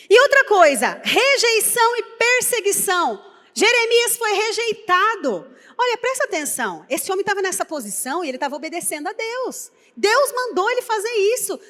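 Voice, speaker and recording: A Brazilian woman pastor delivers a sermon in a bright, high voice. She tells her stories with lively energy and slips into the voices of the people she quotes. Her voice rings out with a long reverb through the church hall. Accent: Brazilian Portuguese. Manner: lively storytelling, acts out quoted dialogue. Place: church sanctuary.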